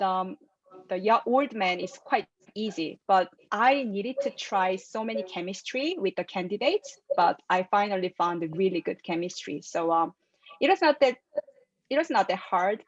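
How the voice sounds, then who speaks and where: Speaking English shaped by her native Korean, this woman filmmaker gives interview answers thoughtfully and sincerely, laughing softly as she moves from point to point. Her medium-pitched voice comes through a flat, low-fidelity video call with no room sound at all.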